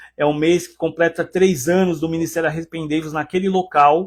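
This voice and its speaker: A man's high-pitched voice with fairly even intonation at a moderate pace, on a very clean recording with a silent background. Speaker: pastor and live show host. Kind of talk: live-stream show announcements. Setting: studio, live stream.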